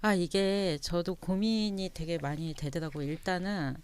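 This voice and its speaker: Low-voiced woman, measured podcast guest. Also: steady tone, a little mellow, clear, resonant tone. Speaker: guest writer. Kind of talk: thoughtful discussion.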